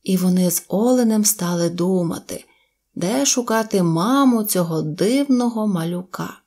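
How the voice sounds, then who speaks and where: A woman narrating a children's audio tale in a slow, gentle storytelling manner. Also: medium pitch. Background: faint music.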